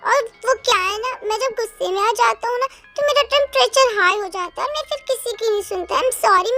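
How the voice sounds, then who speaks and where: A high young voice doing an obsessive psycho young man, sickly sweet coos, low threats, music under it. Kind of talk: fan audio drama voicing.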